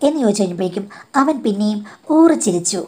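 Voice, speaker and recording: A woman's voice: mid-range voice, expressive, very fast, darkish tone, slightly rough. A woman in her forties telling a first-person story in a chatty way, acting out the dialogue.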